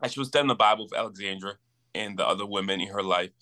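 A man in his twenties, originally from Liberia, speaks as a guest on a podcast. His voice is bright and forceful, and he tells his story in an earnest, animated way. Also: on the low side, rapid-fire. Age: 20s. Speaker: campus minister, guest. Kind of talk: casual interview storytelling.

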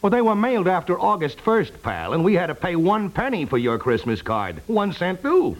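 A man's voice: high voice, big pitch swings, normal speed. An actor playing a jovial married pal who teases and ribs his friend, in 1950s radio comedy style, on a muffled old recording. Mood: amused teasing. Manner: chuckling, ribbing.

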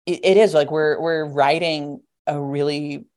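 Guest, young adult, low voice, loose rambling delivery full of filler words. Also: female voice, steady tone, measured pace, a little mellow. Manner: rambling, heavy use of "like" and "you know". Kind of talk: casual podcast conversation.

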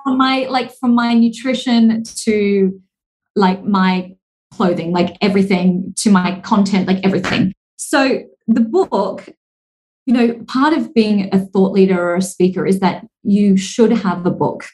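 Guesting on a podcast, this Singaporean speaker and author in her thirties chats in a relaxed interview, her mid-pitched voice energetic yet a little slow. Long, flowing stretches of speech are full of fillers like "like" and "you know." Audio quality is poor.

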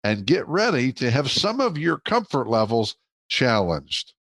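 A man's voice: medium pitch, very animated, measured pace, background noise. A man, hosting a podcast and introducing the show and its guest. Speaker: podcast host.

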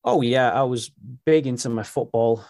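A Welsh man in his late thirties, a native Welsh speaker chatting casually as a podcast guest, friendly and quick to laugh. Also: medium pitch, a little mellow, no room sound, clean studio sound. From Wales. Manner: friendly, laughs often, restarts words. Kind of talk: casual interview chat. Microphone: remote call.

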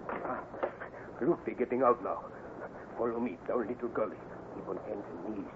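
An actor playing a loyal, watchful ranch hand in a radio Western, speaking clipped broken English without articles. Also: male voice, on the low side, moderate pace, lightly acted. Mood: urgent, hushed. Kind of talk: 1950s radio Western acting. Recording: noisy, tinny old radio recording.

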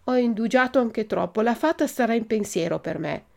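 A woman reading a storybook aloud, voicing a wooden puppet boy who is eager and easily tempted, with wistful, drawn-out exclamations. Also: on the high side, lively intonation, gravelly, darkish tone, voice pushed up. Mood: curious.

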